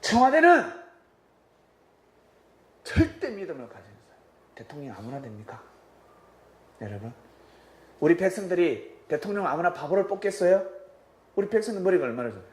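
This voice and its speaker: A male pastor preaching a sermon in a church, telling stories animatedly and acting out voices. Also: high-pitched. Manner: animated storytelling, acts out quoted voices. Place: church sanctuary. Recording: roomy hall with faint ambience.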